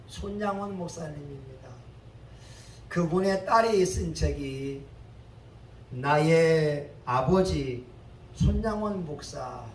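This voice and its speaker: A male pastor preaching with a high voice and an unhurried pace. His delivery rises into loud, dramatic outbursts. He is recorded from a distance in an echoey church with faint ambient noise. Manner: dramatic, loud quoted exclamations. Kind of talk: sermon. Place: church sanctuary.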